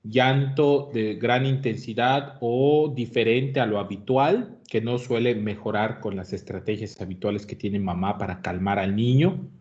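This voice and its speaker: A man's voice: lowish voice, a little slow, hardly any pauses, darkish tone. Man lecturing students in a dull recording. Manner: questions students, addresses them as "jóvenes". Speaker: medical lecturer. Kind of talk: interactive class lecture.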